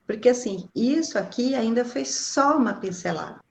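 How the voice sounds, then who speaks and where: A woman's voice: fairly high pitch, animated, moderate pace, creaky. A woman, thoughtfully recounting her experiences as an interview guest. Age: 40s. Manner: reflective, many fillers like "né" and "assim". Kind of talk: casual conversational interview. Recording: faint background noise.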